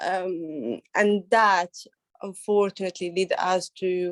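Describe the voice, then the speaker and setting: A woman with a medium pitch speaks very slowly and with fairly even intonation, the sound dry and close with no echo. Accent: Italian. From Italy. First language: Italian. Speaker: participant in a spiritual discussion group. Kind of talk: group discussion. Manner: halting, many fillers.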